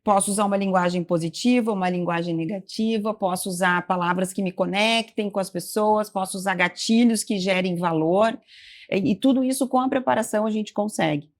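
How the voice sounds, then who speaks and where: A woman speaks as a guest expert, her voice in a middle pitch. She lays out her points in an assured, instructive manner, telling listeners what to do. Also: a little fast. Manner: assured, instructive, advice-giving. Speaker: communication trainer, guest. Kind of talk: expert explaining on a talk show.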